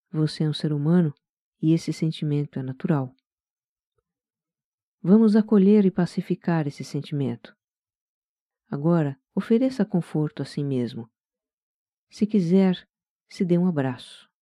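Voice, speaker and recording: A voice with a Brazilian accent and a very dark, velvety tone guides a meditation at medium pitch and a measured pace, leaving long pauses. It sounds gentle, calm and soft-spoken, like scripted relaxation narration. The recording is close and dry, with no room sound.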